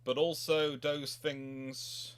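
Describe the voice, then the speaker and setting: A man's voice: a little high, flat delivery, very slow, clean tone. A man hosting a casual history chat, rambling and digressive, often interrupting his own sentences. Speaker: host, naval historian.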